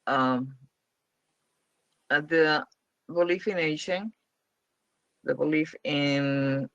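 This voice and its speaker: A man's voice: a little high, drawn-out words, a bit bright, no echo. A man leading a spiritual question-and-answer class, explaining emphatically and repeating his points. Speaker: spiritual teacher. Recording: dull lo-fi dry sound.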